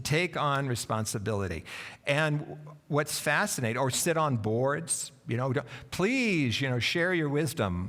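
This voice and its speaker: A man with an unremarkable speaking voice, fairly slow and lively in intonation, on a very clean recording with a silent background. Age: 60s. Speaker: minister. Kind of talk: sermon.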